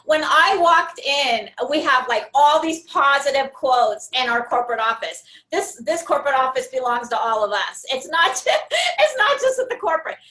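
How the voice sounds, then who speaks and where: A woman giving a loud, bubbly pep talk to people on a call, gushing and repeating herself. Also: high-pitched, very animated, normal speed, rough recording. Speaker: guest speaker, network member. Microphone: call audio.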